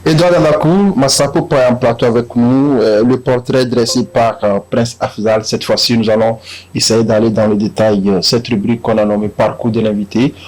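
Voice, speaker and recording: A man hosting a studio talk show, with a Togolese accent and a middle-pitched, ordinary voice. He welcomes the audience and guest with lively, formal presenter phrasing. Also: normal speed, low-quality recording. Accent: Togolese French.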